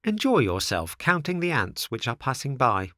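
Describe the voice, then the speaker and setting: A man voicing a large female snail in a storybook, calm, peaceful and never in a hurry. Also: medium pitch, moderate pace, dry recording, studio quality, voice pushed up. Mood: calm, patient. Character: large female snail servant, calm, slow, unhurried, motherly.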